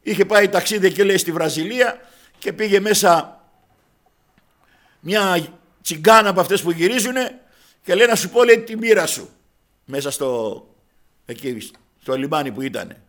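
A man's voice: high-pitched, animated, pauses often, a bit bright. A man preaching a sermon, telling a story and addressing his listeners as brothers, acting out the dialogue. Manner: acts out dialogue in quoted voices.

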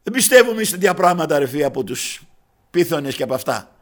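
Man, preacher, high-pitched voice, sermon storytelling, addresses listeners as brothers. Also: very animated. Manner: acts out dialogue in quoted voices.

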